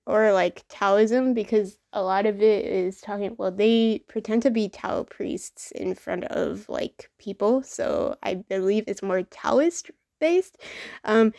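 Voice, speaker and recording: A woman's voice: a little high, mellow, dry recording, studio quality. A young woman chatting casually while she draws, rambling with many fillers and restarts. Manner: rambling, filler-heavy, self-correcting. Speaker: art vlogger. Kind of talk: casual chat while drawing.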